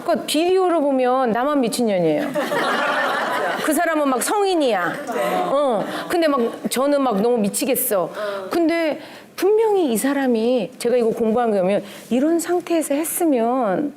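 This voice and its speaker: A middle-aged woman teaching relationship skills in a lively seminar talk, animated and often laughing as she mimics quotes. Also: high voice, moderate pace, a crowd in the background.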